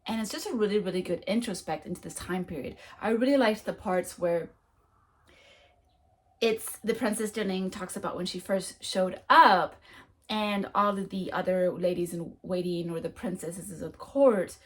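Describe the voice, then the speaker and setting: A woman's voice: fairly low pitch, moderate pace. A woman who is a French speaker, chatting casually through a monthly reading wrap-up, rambling with frequent ums and restarts. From United States. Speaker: book vlogger.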